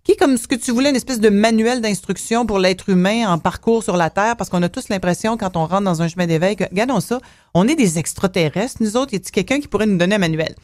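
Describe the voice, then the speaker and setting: A woman with a Québécois accent runs the interview in a chatty, easygoing way, filling pauses with little hesitations. Her voice sits at a middling pitch. The sound is dry and close, with no room echo. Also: darkish tone. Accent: Québécois French. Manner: chatty, filler-heavy, speeds up and slows down. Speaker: interview host. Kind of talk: conversational interview.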